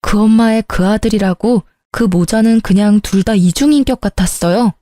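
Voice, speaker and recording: A woman's voice: mid-range voice, moderate pace, no echo, studio quality. Woman narrating a dramatic true story. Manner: dramatic, sharp-tongued first-person telling.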